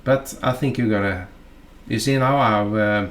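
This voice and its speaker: A man from Norway with a Norwegian accent, narrating a fly-tying tutorial in a halting, chatty way full of fillers and asides. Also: lowish voice, a bit bright, a little hiss or hum.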